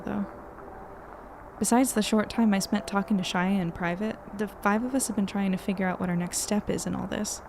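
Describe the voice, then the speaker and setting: Audio drama lead: actress as worried young woman, introspective, creaky voice, faint background noise. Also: medium pitch, a little mellow, natural voice. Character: worried, insomniac young woman confiding her thoughts aloud. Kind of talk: audio drama narration and dialogue.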